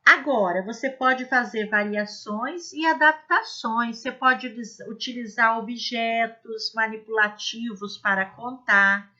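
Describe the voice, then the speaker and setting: Woman, literacy trainer, slow clear demonstrations, slightly high voice. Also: pushed and bright, lo-fi sound. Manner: slow, clear, demonstrative teaching with modeled examples. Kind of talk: instructional video lesson.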